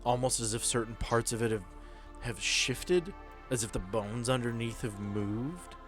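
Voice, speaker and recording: A man's voice: mid-range voice, a little slow, music in the background. A man speaking informally as game master, narrating a tabletop horror game. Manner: informal, profane.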